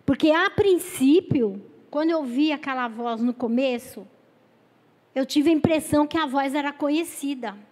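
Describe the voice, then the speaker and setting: Brazilian lady preacher, high voice, halting, repeats herself, echoey church. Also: a little mellow. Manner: halting, repeats words, calls listeners brothers. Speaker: lay preacher. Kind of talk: sermon with personal storytelling. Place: church hall.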